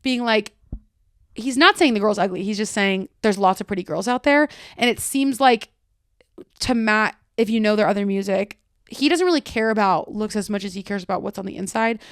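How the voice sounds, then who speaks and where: A woman's voice: mid-range voice, normal speed, no room sound, clean studio sound. A woman hosting a casual solo podcast, chatty and loose, talking through song lyrics line by line with lots of "like" and "kinda". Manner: full of filler words like "like" and "kinda". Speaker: podcast host.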